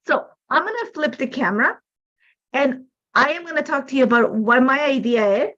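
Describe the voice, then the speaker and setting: Her voice sits high, with lively intonation, a moderate pace, and a fairly bright tone, captured on a lo-fi recording. She's an Ecuadorian woman whose first language is Spanish, speaking accented English as a design team member running a live crafting demo from home. The live-stream talk is chatty and meandering, dotted with "like, you know."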